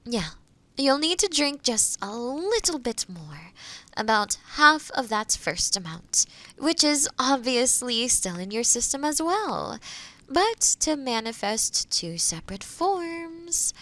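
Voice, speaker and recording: A woman performs a kind forest witch in a fantasy audio roleplay. Her voice sits fairly high and moves with a lively melody. She explains things slowly and gently, reassuring whoever is listening. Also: full character voice. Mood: reassuring, explanatory.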